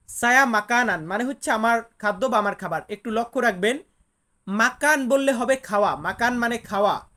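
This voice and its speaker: A woman, teaching a language lesson online. She patiently repeats each phrase slowly so it can be drilled. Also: on the high side, bright, forceful tone.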